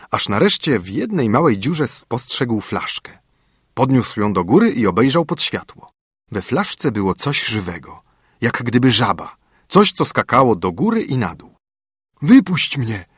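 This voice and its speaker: A man reads a fairy tale aloud, his husky voice moving through a wide, lively pitch range. He sits close to the mic, and the sound is dry with no room echo. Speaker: narrator. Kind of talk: storybook reading.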